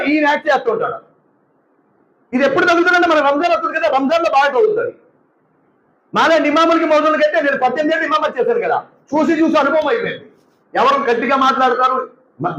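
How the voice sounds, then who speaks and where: A male imam gives a sermon in a strikingly high voice. He preaches with energy and acts out the people he describes. The room around him rings with echo. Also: rapid-fire, lo-fi sound. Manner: animated, mimics congregants in asides.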